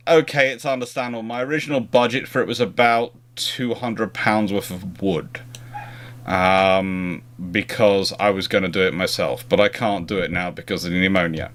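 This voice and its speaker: A man's voice: lowish voice, unhurried, a bit bright, slight background noise. A man hosting a live stream in a casual, chatty way, often rambling and breaking off mid-sentence. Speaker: livestream host answering naval history questions.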